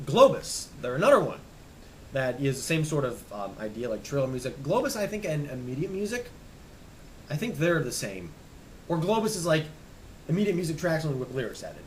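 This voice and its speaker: A young man casually rambling as he shows off his music collection, stammering and restarting, hoarse and losing his voice. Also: mid-range voice, slight background noise, low-quality recording. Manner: enthusiastic, rambling, stammers and restarts, trails off quietly. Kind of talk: casual rambling show-and-tell.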